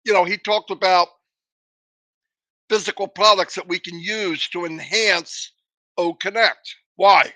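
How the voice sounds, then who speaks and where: High-pitched emphatic man giving a pep talk. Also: fairly even intonation, unhurried, pauses often, sharp tone, dry recording. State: coughing, runny nose. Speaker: livestream host. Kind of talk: motivational livestream talk.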